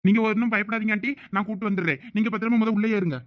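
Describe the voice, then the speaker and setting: A man talks quickly in a Thoothukudi Tamil accent, pleading and joking through a village comedy sketch. The recording is dull and lo-fi. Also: high-pitched, steady tone. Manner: fast, pleading and joking banter. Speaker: comedy skit actor.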